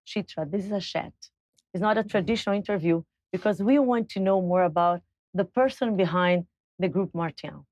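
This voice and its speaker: A woman's voice: fairly low pitch, moderate pace, a little mellow, no echo. A woman whose first language is Portuguese, hosting an interview show, moving from a scripted introduction to casual chat. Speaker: talk show host.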